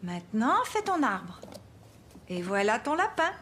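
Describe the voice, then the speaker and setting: A woman voicing a gentle, patient young mother in a children's cartoon dub, encouraging and explaining things step by step. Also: a little high, sing-song, a little slow, a little hiss or hum.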